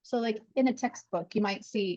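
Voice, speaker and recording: An American woman guest in a casual podcast interview, explaining things in an animated way and laughing easily. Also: fairly high pitch, moderate pace, no echo. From USA. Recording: dull lo-fi dry sound.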